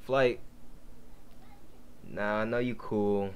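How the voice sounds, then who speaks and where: A man's voice: fairly low pitch, steady tone, very slow, slight background noise. A young man giving casual, slangy reaction commentary on a stream, amused and teasing.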